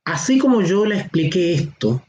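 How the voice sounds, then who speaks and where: A man with a Chilean accent teaching a Bible seminar online. He explains slowly, stretches key words and keeps checking that his listeners follow. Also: high-pitched, very animated, darkish tone, dull audio. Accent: Chilean Spanish. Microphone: online class or teleconference.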